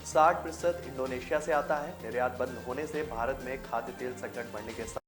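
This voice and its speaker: A man's voice: medium pitch, fairly even intonation, a little fast. A man reading a scripted news bulletin as the anchor, with music behind him.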